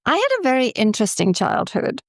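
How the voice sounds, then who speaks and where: A woman in her seventies from Scotland, with a light Scottish accent softened toward mid-Atlantic, telling her life story as a podcast guest in a measured, wry way. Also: sits high, huge pitch swings, no room sound, studio quality. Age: 70s. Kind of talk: conversational interview storytelling.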